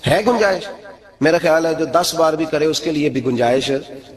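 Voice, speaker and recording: A middle-aged man, preaching a sermon in an animated way and climbing to high, emphatic peaks. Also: moderate pace.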